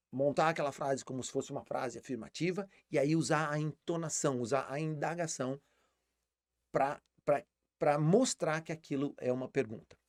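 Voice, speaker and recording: A man with a Brazilian Portuguese accent leads a live online English lesson. His voice sits a little high, and he explains patiently, often repeating a word while he finds the next one. The recording is dry and close, with no room around it. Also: darkish tone, no room sound. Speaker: English teacher.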